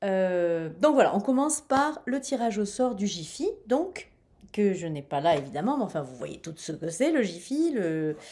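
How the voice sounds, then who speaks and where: A woman's dark, mellow, medium-pitched voice at a fairly slow pace, with very wide pitch swings, on a very clean recording with a silent background. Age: 50s. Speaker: knitting podcaster. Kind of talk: casual chat. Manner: hesitant, many filler sounds.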